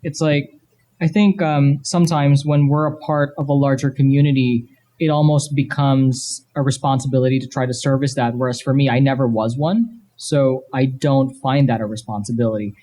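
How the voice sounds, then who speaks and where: A man's voice: mid-range voice, steady tone, normal speed, mellow. A man talking casually and emphatically as a guest on a panel at a live convention. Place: live comic convention panel before an audience. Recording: live event, background noise.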